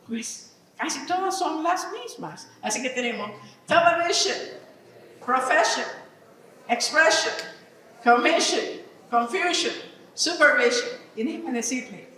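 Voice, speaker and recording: This is a distant, echoey recording from a large conference hall, where a woman with a slightly high, fairly bright voice delivers a live English vocabulary lesson. She reads lists of words and puts questions to the crowd.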